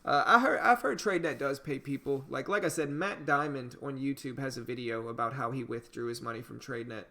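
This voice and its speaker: Speaking briskly in a mid-range voice with some vocal fry, this Louisiana man has a faint Cajun accent. As host of a day-trading livestream, he reads viewer comments aloud and keeps things easygoing, dropping "you know" often.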